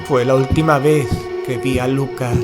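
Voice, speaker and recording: An actor playing a frightened, cautious paranormal investigator in a horror audio drama, grave and dramatic. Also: male voice, mid-range voice, fairly even intonation, moderate pace, over loud music, natural voice. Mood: dread. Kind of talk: first-person horror audio drama narration and acting.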